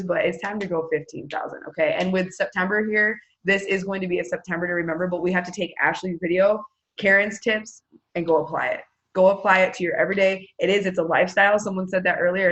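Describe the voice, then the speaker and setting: A woman's voice: on the low side, fairly even intonation, quick pace, fairly bright tone, highs cut off. A woman leading a team meeting on a video call, chatty and upbeat as she hypes up sales goals and runs prize drawings. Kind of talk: casual enthusiastic pep talk on a video call.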